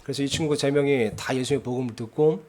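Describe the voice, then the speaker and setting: A man's voice: medium pitch, fast talker, a little mellow. A man preaching a sermon in a church, telling a story in a conversational way and often checking in with the congregation. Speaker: pastor. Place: church sanctuary.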